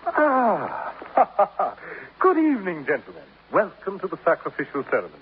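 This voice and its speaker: A man's voice: high-pitched, huge pitch swings, moderate pace. A smug, theatrical killer who savors every ornate phrase and sings his words up and down. It sounds like a thin, tinny 1950s radio broadcast with a light hiss. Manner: ornate, mocking, pleased with himself. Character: smug, florid older male killer.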